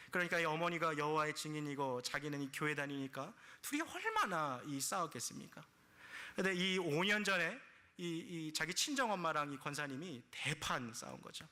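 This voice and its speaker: A man's voice: a little high, sharp tone, in a large hall. A male pastor preaching a sermon, telling a story at length and acting out the quotes, with many small filler words.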